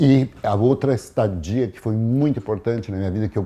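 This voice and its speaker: He has a dark, mellow tone and fairly low pitch. This man speaks at a fairly slow pace. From Brazil, São Paulo. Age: 60s. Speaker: restaurant owner and caterer. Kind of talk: oral history interview. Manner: conversational, self-interrupting.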